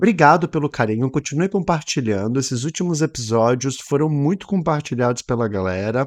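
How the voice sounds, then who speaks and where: The delivery is fairly quick and lively in intonation, with hardly any pauses, a dry, close sound without echo and a quiet background. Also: man, fairly high pitch for a man. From southern Brazil, Florianópolis. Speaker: psychologist podcast co-host. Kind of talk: casual chat.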